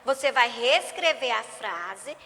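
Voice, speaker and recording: In a remote lesson for young children, a female primary school teacher speaks slowly in a high, bright voice with lively intonation. She draws out every syllable and pauses often to make sure they follow, asking "né?" and "certo?". Her words trail off into a long reverb.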